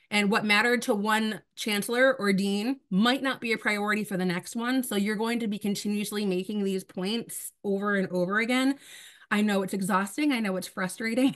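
A woman talks at a fairly quick pace with fairly even intonation. The background is quiet. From New York. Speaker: librarian; panelist. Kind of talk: panel presentation. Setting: video call. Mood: earnest, encouraging. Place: home room. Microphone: webcam.

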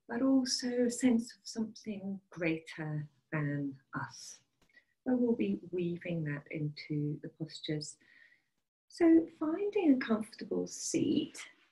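A woman speaks very slowly in a dark, mellow, somewhat breathy tone, with very wide pitch swings. Her loudness swings a lot against a quiet background. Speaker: yoga teacher. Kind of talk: instructional yoga class intro. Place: home room. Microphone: camera far.

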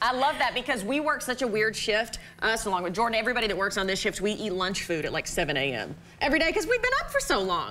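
A woman talks at a very fast pace with very wide pitch swings, with light background noise present. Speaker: news anchor. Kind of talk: live TV interview chat. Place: studio. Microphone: lapel.

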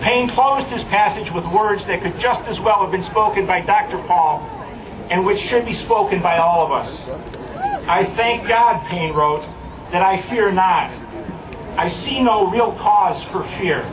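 Against noticeable background noise, a man talks at a fairly slow pace, high in pitch with ordinary pitch variation. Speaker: rally speaker. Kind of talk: rally speech. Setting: outdoor rally. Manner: formal, reading a prepared speech. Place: open country.

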